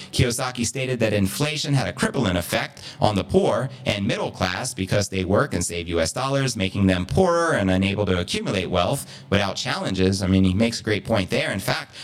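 Echoey stream audio, guy with a lowish voice doing crypto news host talk, emphatic n slangy. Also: gravelly. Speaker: livestream host. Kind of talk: crypto news commentary to a live audience. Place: indoor livestream with echoey sound.

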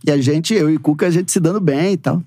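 A man's voice: fairly high pitch, fast talker, crowd noise. A man with a Brazilian Portuguese accent telling football stories in a casual interview, acting out quoted dialogue. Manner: animated, acts out quoted dialogue, frequent "né" and "e tal". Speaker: football coach, podcast guest.

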